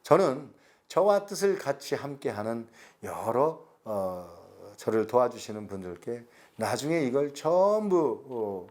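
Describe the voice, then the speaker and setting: A middle-aged man, giving a recorded lecture slowly and deliberately, stretching words and pausing. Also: medium pitch, big pitch swings, darkish tone. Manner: slow, deliberate explanation with drawn-out words and pauses.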